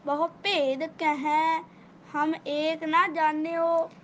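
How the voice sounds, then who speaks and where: A woman with a Punjabi accent slowly reciting scripture verses in a steady, even chant. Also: sits high, slight background noise. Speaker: student reciting. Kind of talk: slow devotional recitation. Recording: dull lo-fi recording with faint ambience.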